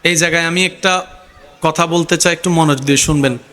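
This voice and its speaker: Shouting high-voiced Bengali preacher. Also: male voice, steady tone, quick pace, a little hiss or hum. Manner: shouts and leads the crowd in call-and-response; rises to high shouted peaks, drops low for quoted verses. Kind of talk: Islamic waz sermon.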